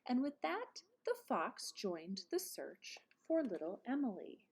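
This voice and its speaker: A woman reading a children's picture book aloud like a teacher, with dramatic emphasis and quieter explanatory asides. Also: a little high, sing-song, takes it slowly, husky. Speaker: read-aloud presenter, teacher. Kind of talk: expressive children's storybook narration with explanatory asides.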